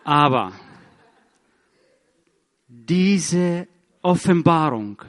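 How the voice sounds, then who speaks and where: A middle-aged man, a surgeon, telling his church testimony in an earnest, animated way, with slightly broken German grammar. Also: on the high side, drawn-out words, big-room sound. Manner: earnest, animated storytelling with acted quotes and repetitions.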